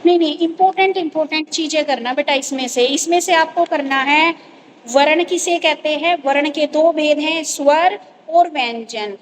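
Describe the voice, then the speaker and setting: A high-pitched woman teaches a grammar lesson, explaining each point patiently and stopping often to check that her students follow. A faint hiss of noise sits under her voice. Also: moderate pace, rough recording.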